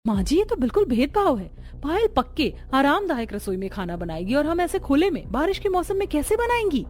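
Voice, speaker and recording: A woman's voice: on the high side, moderate pace, a little mellow, natural voice. A woman voicing a simple, sensible young bride who speaks plainly and politely. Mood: earnest.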